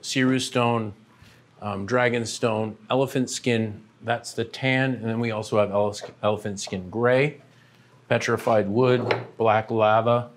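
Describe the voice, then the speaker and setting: Homem de voz grave em tour pela loja. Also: male voice, on the low side, a little slow, slight background noise. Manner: relaxed, many "um" fillers, pointing at products as he walks. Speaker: shop owner giving a tour. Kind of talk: casual walking tour. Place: large aquarium shop showroom and warehouse, indoors.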